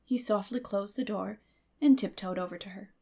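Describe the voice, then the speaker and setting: A woman narrates a storybook in a medium-pitched voice with noticeable creak. Her delivery is measured and expressive, in a dramatic audiobook style.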